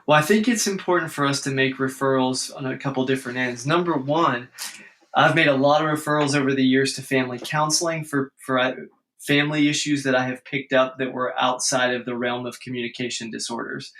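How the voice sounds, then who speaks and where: Earnest explaining man, bright voice. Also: medium pitch, fairly even intonation, brisk, rough recording. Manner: earnest, explanatory, with frequent restarts. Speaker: guest speech-language pathologist. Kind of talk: conversational podcast interview.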